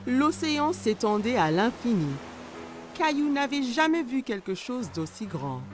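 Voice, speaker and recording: Lively woman narrating a children's cartoon. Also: on the high side, a little slow, faint music behind. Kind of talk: children's story narration, scripted.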